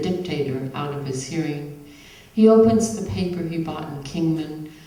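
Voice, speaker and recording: A woman speaks at a fairly slow pace in a very deep, low voice over noticeable background noise. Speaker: poet. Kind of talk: poetry reading. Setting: live reading venue.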